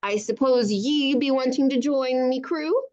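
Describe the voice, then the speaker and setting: A woman voicing a gruff, stubborn young boy pirate for a children's storybook, growling and exclaiming in a stage pirate accent, on a dull lo-fi recording. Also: high-pitched, unhurried, a little mellow. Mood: plotting, scheming. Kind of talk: children's storybook read-aloud.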